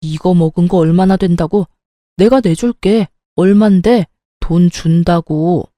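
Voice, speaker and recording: A woman's voice: lowish voice, a little slow, mellow, dry recording, clean studio sound, natural voice. A woman voicing an arrogant, entitled young husband who talks down in a blustering way. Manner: condescending, blustering.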